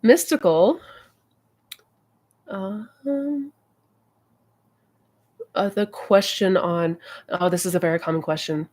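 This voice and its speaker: A woman's voice: medium pitch, slow pace, long pauses, darkish tone. A woman hosting a live question-and-answer stream as a coach, chatting casually, a little stuffy and nasal from a cold. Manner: friendly, chatty, many fillers. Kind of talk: casual livestream chat.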